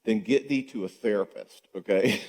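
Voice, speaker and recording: Older man teaching in a reverberant church. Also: moderate pace. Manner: animated, asks rhetorical questions and acts out quotes in higher voices. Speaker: psychologist speaking at a marriage conference. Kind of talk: conference talk to a church audience. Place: church sanctuary. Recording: long church hall reverb.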